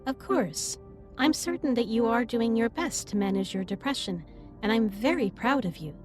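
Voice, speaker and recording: Woman as alien starship captain for intimate sci-fi audio drama: higher-pitched, formal, gently reassuring, over music. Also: lively intonation, normal speed, natural voice. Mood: solemn, supportive. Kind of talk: scripted roleplay audio drama, intimate comforting monologue. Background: ambient music.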